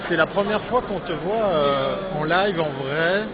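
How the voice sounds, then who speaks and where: A man's voice: on the high side, a little slow. A man doing a casual live interview, hesitating and rephrasing his questions as he goes. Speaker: interviewer hosting a live web video. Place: busy, cold conference venue in Paris. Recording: dull lo-fi live stream, loud crowd.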